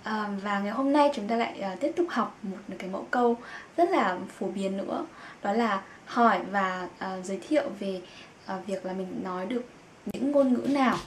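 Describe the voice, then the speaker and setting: A young woman teaching German to learners, explaining things and repeating each word slowly. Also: mid-range voice. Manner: explains in Vietnamese, says German words slowly and repeats them. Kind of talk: language lesson for Vietnamese learners. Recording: echoey room with faint background noise.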